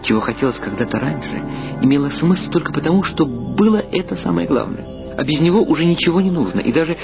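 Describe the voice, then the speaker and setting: A man's voice: a little high, animated, fast, creaky, pitched above the performer's own voice. A man voicing a brooding, earnest young man in a reflective literary audio drama. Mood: wistful. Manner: wistful, reflective. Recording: dull lo-fi sound under loud music. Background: loud music.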